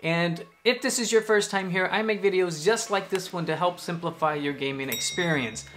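A man in his thirties hosting a gaming tutorial vlog, talking to the camera from a room at home in a friendly, energetic way. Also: sits high, moderate pace. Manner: friendly, energetic, addresses viewers directly. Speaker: gaming tech YouTuber host. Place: home room with a TV and a lamp, indoors. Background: faint background music.

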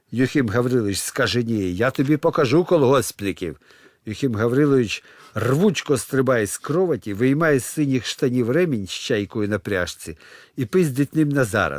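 A man reads a comic stage play, his pitch leaping all over as he slips into the characters. The sound is dry and close, with no room around the voice. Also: dry recording. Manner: lively, shifting between flat stage directions and shouted character lines.

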